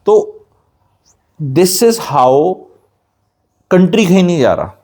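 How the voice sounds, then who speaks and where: A man's voice: high-pitched, sing-song, drawn-out words, a little mellow. A man from Haryana, hosting a real estate channel, giving a blunt, sarcastic, lecturing monologue full of rhetorical questions. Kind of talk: opinionated monologue, mixing Hindi and English.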